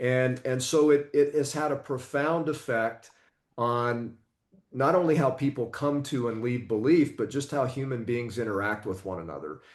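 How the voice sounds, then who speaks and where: Speaking at a moderate pace, this man has an ordinary speaking voice pitched at a medium level, and its pitch varies in an ordinary way. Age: 60s. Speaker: researcher and author. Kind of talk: interview conversation.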